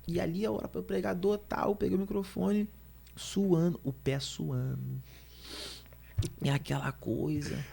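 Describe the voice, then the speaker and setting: A man with a Brazilian Portuguese accent, a guest preacher telling his story fast, with stumbling restarts. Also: high voice, fairly even intonation, vocal fry, dark tone, breathy edge. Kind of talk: animated storytelling in conversation.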